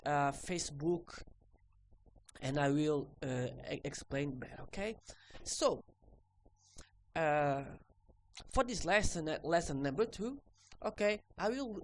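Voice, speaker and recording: A woman whose first language is Portuguese, teaching a recorded repair lesson in halting English and ending most sentences with "okay?". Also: fairly low pitch, a little hiss or hum.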